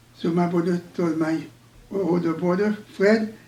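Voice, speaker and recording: A man talks with a high-pitched voice. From Haiti (Port-au-Prince). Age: 80s+. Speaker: war veteran. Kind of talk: interview. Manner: halting, with fillers.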